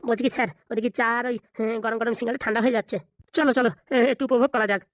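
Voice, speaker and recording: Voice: medium pitch, flat delivery, racing, dry recording, pitched below the performer's own voice, lightly acted. A voice artist voicing a lazy police officer and his constable in a cartoon. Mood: scheming.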